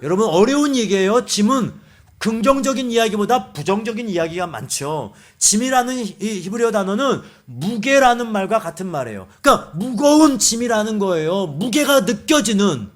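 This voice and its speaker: A man's voice: high-pitched, sing-song, normal speed. A man preaching a sermon as a guest pastor, firing rhetorical questions and leading the congregation in reading aloud.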